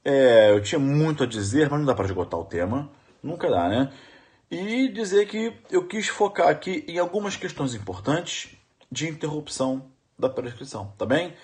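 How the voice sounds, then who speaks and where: Brazilian man, middle-aged law lecturer, emphatic, lively pitch, slightly high voice. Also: normal speed. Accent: Brazilian Portuguese. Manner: emphatic, repeats questions to the audience. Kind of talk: animated exam-prep lecture.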